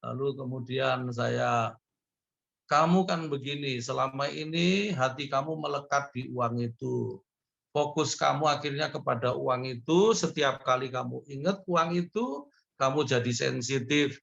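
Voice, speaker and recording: A man's voice: a little slow, vocal fry, a bit bright, highs cut off. A male pastor, preaching through stories and acting out the people in them with a raised voice. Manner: storytelling, acts out a man pleading in a high voice. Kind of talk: sermon over video call.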